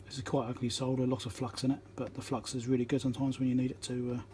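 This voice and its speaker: A man talks casually through a hands-on repair demonstration at a workbench, in a mid-pitched voice. He speaks haltingly, partly muttering to himself as he concentrates. It is picked up by a phone with faint room noise behind him. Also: level tone, warm tone. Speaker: electronics repairer, channel host. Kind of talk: casual hands-on demonstration commentary while working. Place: indoor electronics workbench. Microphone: phone on a tripod above the work. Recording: noisy room recording on a phone.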